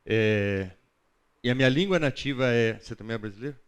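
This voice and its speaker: Man, Brazilian accent, medium-pitched voice, didactic, conversational class lecture. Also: brisk, smooth. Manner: didactic, asks the class questions. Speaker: Bible class teacher.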